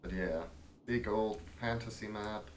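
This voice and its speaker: A man's voice: measured pace, slight background noise. A man streaming a story game, chatting wryly and reading its dialogue aloud. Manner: wry, self-mocking, reads dialogue with raised pitch. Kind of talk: casual let's-play commentary, reading game text aloud.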